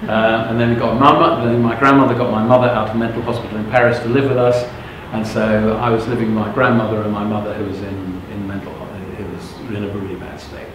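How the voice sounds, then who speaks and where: A man's voice: fairly low pitch, flat delivery, quick pace, few pauses. A middle-aged man from England, a native Russian speaker, telling his life story to a live audience as a motivational speaker. He talks frankly and conversationally, often checking whether listeners follow. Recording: very echoey room with background noise.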